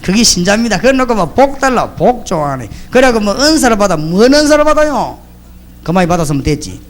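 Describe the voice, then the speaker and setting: A middle-aged pastor preaches in a high-pitched voice. He tells lively stories and acts out the people he quotes as he goes. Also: fast. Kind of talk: sermon.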